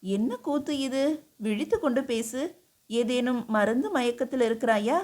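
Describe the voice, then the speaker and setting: A woman's voice: a little high, unhurried, a little mellow, natural voice. A woman voicing a stern, exasperated male emperor who scolds his wife with incredulous questions, in an audiobook reading. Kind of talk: audiobook character voice.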